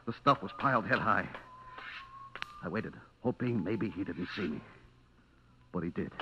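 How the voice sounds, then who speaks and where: A deep-voiced man, speaking at a moderate pace, plays a guilty, panic-stricken narrator being stalked by a vengeful butcher in first-person old-time radio suspense from the 1940s–50s. His delivery is breathless and theatrical, veering between hushed dread and frantic shouts. The lo-fi recording carries heavy background noise beneath dramatic music.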